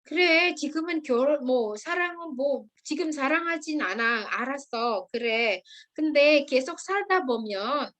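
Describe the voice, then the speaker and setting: A woman's voice: sits high, lively intonation, racing, fairly bright tone. A woman playing a young woman pleading with her mother. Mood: insistent.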